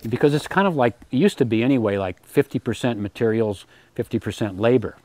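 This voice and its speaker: Talking at a quick clip in a mid-range voice, an elderly homesteader from the United States, in his eighties, shows visitors around his outdoor garden and home pantry. He's easygoing and rambling, often repeating words while thinking.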